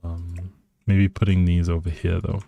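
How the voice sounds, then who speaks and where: A man's voice: deep voice, flat delivery, measured pace, creaky, dark tone, highs cut off. A man live streaming a video game with casual, hesitant commentary, thinking aloud and often trailing off. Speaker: live streamer playing a life simulation game.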